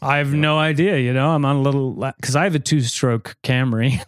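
A man's voice: medium pitch, steady tone, brisk, clear, resonant tone, no echo, studio quality, faint music behind. A man co-hosting a comedy podcast, talking in a drawling, groggy, jokey way. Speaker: podcast co-host. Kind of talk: casual comedic banter.

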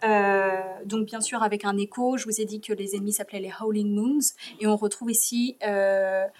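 A woman at a conference lectern walks the audience through her analysis, careful and explanatory. She keeps stopping to hunt for the right word, filling the gaps with soft hesitations. Her pitch sits in an ordinary middle range for a woman. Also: steady tone, slight background noise. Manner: hesitant, many filler pauses. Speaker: conference presenter. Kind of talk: presenting a lecture with slides.

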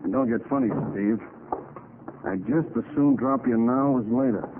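An actor playing a cocky, slangy gangster killer in a 1940s radio crime drama. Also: male voice, mid-range voice, moderate pace, phone-quality sound, lightly acted. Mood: menacing. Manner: tough slangy gangster talk. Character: cocky male gangster killer and swindler holding a gun. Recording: scratchy, thin 1940s radio recording.

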